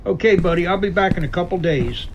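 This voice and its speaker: A man as a high-voiced, breezy daredevil pilot. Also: quick pace, background noise. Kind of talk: amateur radio drama acting.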